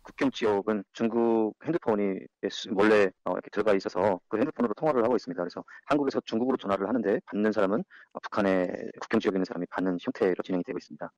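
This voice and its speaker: A man from North Korea in an interview clip, his voice disguised and deepened by a filter, speaking hesitantly with fillers. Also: racing, hardly any pauses, darkish tone, no echo. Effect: voice-disguising filter, lowered and deepened. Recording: dull lo-fi recorded clip.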